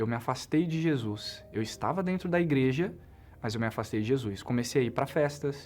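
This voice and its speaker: Music plays in the background as a man talks at a fairly quick pace and a medium pitch. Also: lively intonation. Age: 30s. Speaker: church member giving testimony. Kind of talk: testimony.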